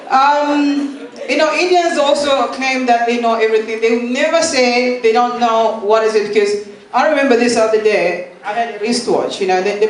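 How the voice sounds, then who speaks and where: Rambling stand-up comic from Malawi. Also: male voice, sits high. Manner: rambling, halting delivery with frequent laughs. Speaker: stand-up comedian. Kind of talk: stand-up comedy set. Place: live comedy venue with audience. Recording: echoey room, far from mic, crowd noise.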